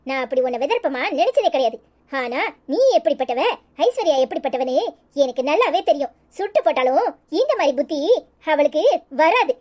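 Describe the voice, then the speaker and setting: A bossy but caring elder village sister from a cartoon talks bluntly in a Tirunelveli Tamil accent. Her voice is very high and lively. She fusses and scolds like a mother. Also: brisk. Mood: stern. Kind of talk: cartoon voice acting.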